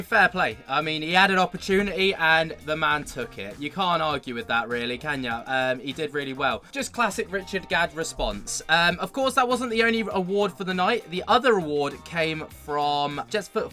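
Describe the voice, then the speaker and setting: A man's voice: a little high, normal speed, few pauses, bright, forceful tone, faint music behind. A man giving casual, chatty commentary on a video clip. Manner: chatty, offhand. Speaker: YouTube commentator.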